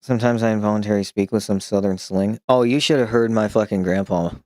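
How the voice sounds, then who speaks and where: A man streaming in a casual chat, telling rambling, profane stories with frequent restarts and chuckling along, who picks up a slight New York twang when he gets excited. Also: fairly low pitch, quick pace, dry recording, studio quality. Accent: slight New York-style twang when excited.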